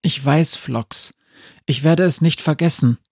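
A man's voice: on the high side, measured pace, darkish tone, husky, no echo, clean studio sound, voice pushed up. A man voicing a determined young witch apprentice girl, urgent and pleading. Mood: earnest.

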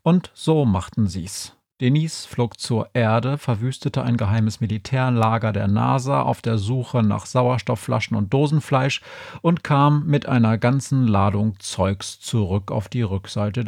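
A man's voice: mid-range voice, vocal fry, a little mellow, no room sound, studio quality. Man reading a humorous story.

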